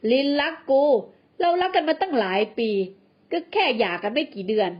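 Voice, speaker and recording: A woman voicing a brash, jealous male ex-husband who speaks roughly and coarsely. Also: sits high, very animated, moderate pace, muffled recording. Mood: blustering.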